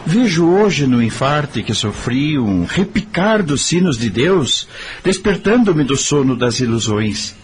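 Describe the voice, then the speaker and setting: Casting: earnest, repentant Brazilian husband and father, middle-aged, radio drama, highly varied intonation. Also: big pitch swings, slow, a little hiss or hum. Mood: solemn, reflective.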